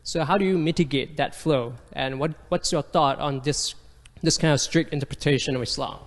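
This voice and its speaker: A man's voice: on the high side, normal speed. A man from Malaysia in the audience at a public talk, asking an earnest, direct question from the floor. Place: lecture hall. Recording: long hall reverb.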